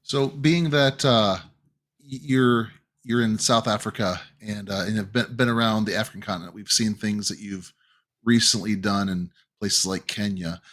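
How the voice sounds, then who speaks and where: A man's voice: fairly low pitch, fairly even intonation, fairly bright tone. A man co-hosting a podcast, asking a long question with frequent stumbles and restarts. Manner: halting, many restarts. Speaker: podcast co-host. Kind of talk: casual interview questions.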